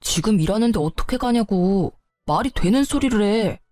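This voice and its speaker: A grumbling husband who brushes off every complaint, in a lowered voice, as a woman puts him on. The sound is mellow and dry. It comes from a narrated family tale. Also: animated, normal speed, dry recording, faint music behind, lightly acted. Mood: annoyed. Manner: grumbling, dismissive. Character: irritated husband, dismissive.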